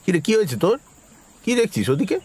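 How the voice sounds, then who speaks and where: An actor playing a brisk, dismissive village man in a Bengali horror audio drama. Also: sits high, big pitch swings, a little mellow, slightly rough, exaggerated voice. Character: Birja, brisk, easily annoyed village man, narrator's friend.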